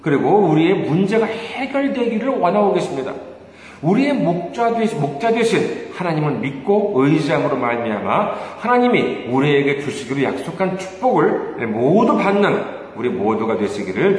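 A male pastor preaching a sermon, animated and full of rhetorical questions to the congregation. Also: fairly high pitch, moderate pace. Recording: echoey church hall, faint noise.

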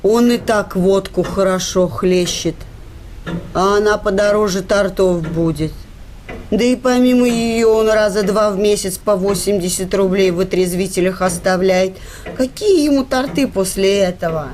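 An actress playing a sharp-tongued, grumpy working-class wife under hypnosis in a comic radio play, blunt and sarcastic. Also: female voice, medium pitch, slight background noise, close to an everyday voice. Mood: surly, contemptuous. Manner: blunt, sarcastic, slow, coarse.

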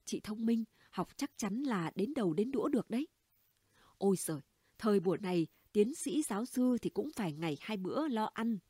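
Performing an audiobook character, a woman reader plays a brash middle-aged neighbor who gossips, telling her tales bluntly and conspiratorially in a chatty, animated way at a moderate pace. The medium-pitched voice is warm, mellow and slightly breathy, captured in a dry, close recording.

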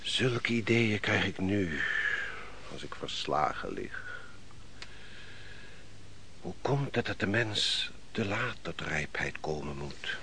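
An actor playing a defeated army commander in a Dutch radio play, weary, bitter and brooding, speaking in a grave, declamatory way. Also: male voice, deep voice, big pitch swings, takes it slowly, long pauses, bright, forceful tone, full character voice. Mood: grave, visionary. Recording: noisy old radio play recording.

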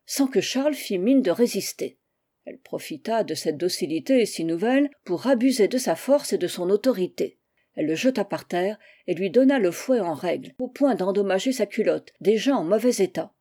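A woman reading a classic novel aloud as an audiobook, voicing every character herself and naming each speaker in a softer voice. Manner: reads all characters, announcing each speaker name in a lower, softer voice. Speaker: audiobook reader.

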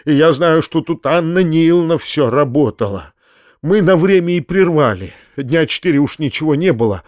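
Excitable, soft-hearted middle-aged uncle, voiced by a male reader for a storybook: pitched higher than the narration, loud, in agitated bursts. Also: normal speed, dry recording, clean studio sound, close to an everyday voice. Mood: earnest. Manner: agitated, emotional outbursts.

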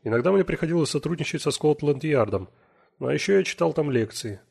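A man's voice: on the high side, expressive, quick pace, gravelly, darkish tone, husky, pitched above the performer's own voice, full character voice. A man reading the lines of a wry middle-aged male criminalist in a matter-of-fact, reminiscing way.

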